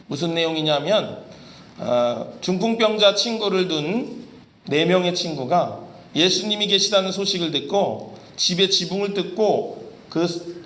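A man's voice: fairly high pitch, a bit bright. A man preaching a sermon, asking his listeners questions and answering them himself. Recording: echoey room with faint noise.

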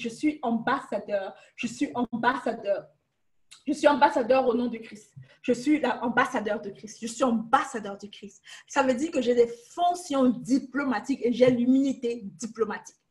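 A young woman leading a Bible study over a webcam from her living room, emphatic and repetitive, slipping English words into her teaching. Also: on the high side. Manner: emphatic, repeats phrases, mixes in English words. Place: living room, seated in armchair. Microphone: webcam on a video call.

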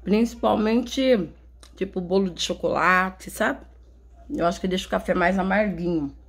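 A woman's voice: medium pitch, moderate pace. A young Brazilian woman chatting in a casual home vlog, affectionate and laughing often. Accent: Brazilian Portuguese. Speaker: vlogger and mother. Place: home, indoors.

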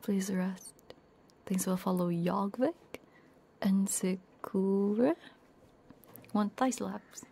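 Female ASMR streamer: playful, casual, whispery, unhurried, a bit of vocal fry, close binaural mic. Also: mid-range voice. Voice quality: soft whisper, breathy when whispering. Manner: playful, giggly. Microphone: close binaural ear microphone.

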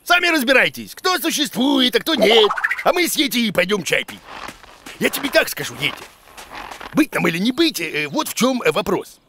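A man voicing an excitable, muddled bearded creature who teaches in a children's cartoon, theatrical and grumbling. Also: very high-pitched, brisk, background noise, full character voice. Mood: pompous, muddled. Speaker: teacher, main character. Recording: music behind the voice.

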